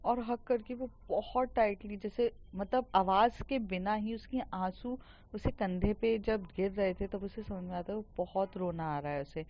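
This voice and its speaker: A woman narrates a story in a casual, chatty storytelling manner, full of fillers and English words mixed in. Her pitch is middle-of-the-road, and the recording has a dull, lo-fi quality. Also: moderate pace.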